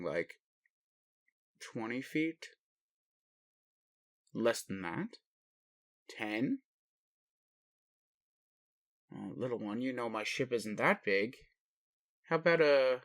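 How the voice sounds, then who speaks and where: A man playing a gentle, puzzled alien daddy in an intimate roleplay audio, indulgent and bemused, with questioning hesitations. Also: mid-range voice, dry recording, clean studio sound. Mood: baffled. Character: gentle, puzzled alien daddy, adult male spaceship commander. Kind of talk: intimate roleplay audio, speaking to one listener.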